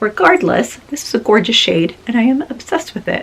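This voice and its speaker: A woman talks at a moderate rate while noticeable noise fills the background. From Canada. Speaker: beauty vlogger. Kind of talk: product review.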